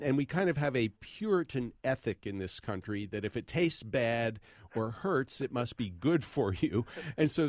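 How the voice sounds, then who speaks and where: A man's voice: mid-range voice, a little mellow, dry recording, clean studio sound. A man hosting a radio interview, asking long articulate questions. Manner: articulate, leading questions with fillers like you know. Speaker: radio show host.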